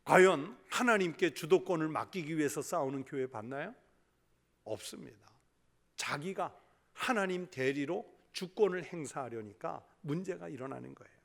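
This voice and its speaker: A male pastor preaching a sermon, putting rhetorical questions to the congregation and dropping to a hush for emphasis. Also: a little high, animated, moderate pace, gravelly.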